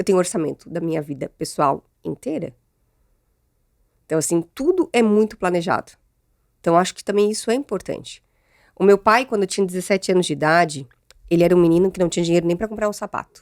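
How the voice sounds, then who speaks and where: Over a very clean, silent background with a dry, close sound and no echo, a woman with a medium pitch speaks in an animated tone at a very fast pace, with ordinary pitch variation and long, frequent pauses. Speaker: business executive. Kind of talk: interview.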